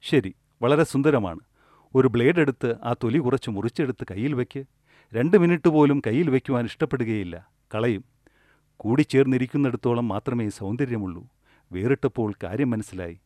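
A man delivers a calm, measured spiritual discourse as a meditation teacher, repeating key phrases for weight. His voice sits at an ordinary middle pitch and is recorded very dry and close, with no room sound. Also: dry recording.

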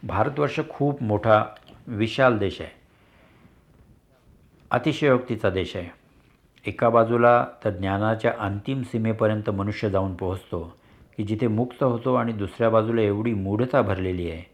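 A man giving a spiritual discourse in a measured way, repeating phrases for emphasis. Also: on the low side. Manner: measured, repetitive rhetorical phrasing. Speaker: spiritual teacher. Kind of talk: dharma discourse.

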